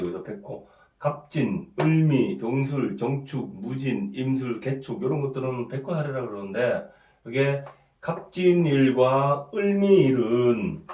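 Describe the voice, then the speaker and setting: A middle-aged man with a cold and a sore throat, giving an informal lecture. He keeps asking "right?", clears his throat often and restarts his sentences. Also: mid-range voice, a little mellow, far from the mic. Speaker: saju fortune-telling teacher. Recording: echoey room, voice set back from the mic.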